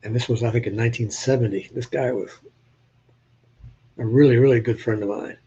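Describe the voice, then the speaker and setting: The sound is dull and slightly lo-fi as an older man from New Hampshire, with a slight Southern drawl touched by New England, shows old photos and bantering with chat viewers. His medium-pitched voice is dark and a little husky, brisk, with fairly even intonation.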